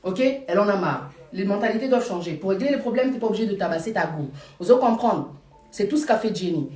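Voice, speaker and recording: A woman's voice: mid-range voice, animated, fast, a little mellow, distant mic. Emphatic Paris woman live-streaming, roomy sound. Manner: emphatic, repeats lines for force. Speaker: live streamer addressing followers. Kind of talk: casual live chat, mixing French and Lingala.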